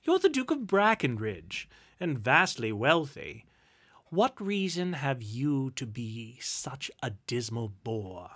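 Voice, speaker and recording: A man's voice: mid-range voice, very animated, takes it slowly, fairly bright tone, heavily acted. A man voicing a cheerful, good-hearted young nephew in a storybook, polite, earnest and a little mischievous. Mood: teasing.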